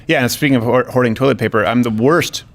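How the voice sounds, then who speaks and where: A man's voice: medium pitch, quick pace. Joking male podcast host. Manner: jokey, conversational. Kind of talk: casual interview talk.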